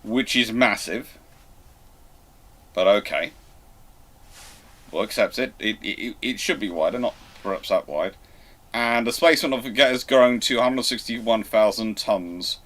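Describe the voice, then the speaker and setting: A man hosting a live question and answer stream in a casual way, halting as he thinks aloud. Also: fairly low pitch, fairly bright tone.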